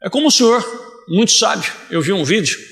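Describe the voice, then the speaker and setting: A Brazilian man preaching a sermon as pastor, telling stories with passion and bursts of shouting. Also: high voice, big pitch swings, a little fast, vocal fry. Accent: Brazilian Portuguese. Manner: impassioned, storytelling, bursts into shouting. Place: church hall. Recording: echoey church hall.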